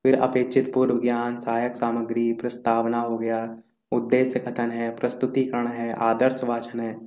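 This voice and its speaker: A man's voice: medium pitch, completely flat delivery, moderate pace, a little mellow, reverberant. A man giving an online revision lecture for an exam, reading out points as a list and repeating key terms while he scrolls through notes. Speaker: exam-prep teacher. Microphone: screen recording while scrolling notes.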